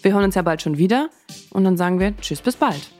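A woman with a medium-pitched voice hosts a podcast at a brisk pace. Her talk is casual, colloquial and upbeat. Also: expressive, a little mellow, faint music behind. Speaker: podcast host. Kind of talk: casual chat.

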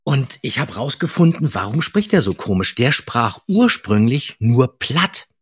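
A man's voice: mid-range voice, big pitch swings, measured pace, slightly rough, dry recording, clean studio sound. A man co-hosting a podcast in casual chat, talking with keen enthusiasm and telling anecdotes. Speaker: podcast co-host.

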